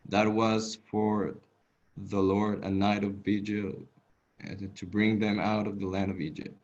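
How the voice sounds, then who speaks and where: A fairly low-voiced man with a non-native English accent reads scripture aloud, halting and doubling back on words. His voice comes through a dull, lo-fi call connection. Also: flat delivery, a little mellow. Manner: halting reading, stumbles and repeats words. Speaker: student reading aloud. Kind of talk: reading scripture aloud in a group. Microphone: video call. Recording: dull, lo-fi video call audio.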